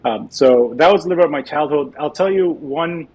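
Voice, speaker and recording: A man's voice: fairly high pitch, brisk, a little mellow, slightly rough, poor audio. A middle-aged man from El Salvador, a podcast guest telling his life story in a reflective way, with many restarts. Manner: reflective, frequent restarts and fillers. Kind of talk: podcast interview.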